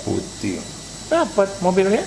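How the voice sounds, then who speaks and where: A middle-aged male pastor preaching a sermon, animated, acting out conversations and mixing in English phrases. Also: sits high, slow pace, vocal fry. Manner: animated preacher who acts out dialogues and drops English phrases. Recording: noisy live sermon recording.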